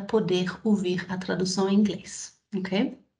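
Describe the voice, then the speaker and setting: A woman's medium-pitched, somewhat breathy voice with a German accent, at a fairly slow pace. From Germany. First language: German (speaking Portuguese). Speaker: project director and webinar moderator. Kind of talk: webinar moderation. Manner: halting, many fillers.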